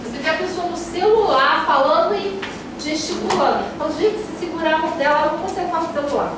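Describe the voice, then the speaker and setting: A woman's voice: extremely high pitch, fast. A woman with a Brazilian accent giving a classroom lecture as a teacher, in a didactic way, repeating key phrases for emphasis. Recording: echoey room, distant mic, noisy.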